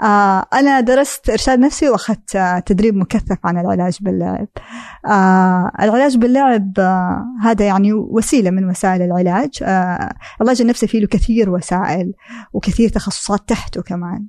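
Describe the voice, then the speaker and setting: A woman's unremarkable speaking voice at medium pitch, with ordinary pitch variation and a moderate pace. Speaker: psychology counselor and entrepreneur. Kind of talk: casual interview conversation. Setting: recorded on-site at a cultural event.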